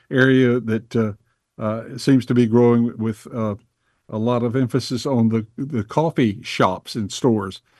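A man with a Southern US accent and fairly even intonation, against a quiet background. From North Carolina. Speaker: radio host. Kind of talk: radio interview.

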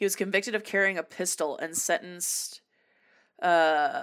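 The tone is bright and sharp, and the recording is very clean with a silent background. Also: woman. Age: 30s. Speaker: podcast host and streamer. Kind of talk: casual chat. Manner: animated.

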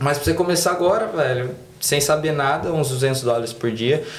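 In a room with audible echo, a man talks at a moderate pace and fairly high pitch with ordinary pitch variation. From interior of São Paulo state, Brazil. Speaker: pagode musician. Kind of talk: casual chat.

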